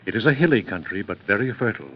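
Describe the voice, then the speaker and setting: An actor playing a calm, steadfast Quaker man who speaks plainly and firmly, in an old radio drama. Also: on the low side, racing. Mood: firm, earnest. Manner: earnest, firm, plain speech. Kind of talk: 1930s radio drama acting. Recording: dull lo-fi old radio transcription with faint hiss.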